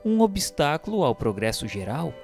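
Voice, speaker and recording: Expressive man narrating solemnly. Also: fairly high pitch, vocal fry. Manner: oratorical, formal, measured. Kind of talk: solemn scripted narration of a spiritual text. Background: music.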